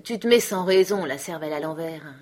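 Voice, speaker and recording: A woman reading the part of a gruff, weary adult male trapper in a storybook, grumbling and dismissive. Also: low voice, animated, brisk, a little mellow.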